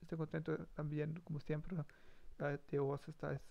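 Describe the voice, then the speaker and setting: A man with a gravelly, slightly high voice, working through language practice on a live stream. He speaks haltingly, restarting and correcting himself often. The audio is dull and lo-fi. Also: level tone. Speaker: language learner.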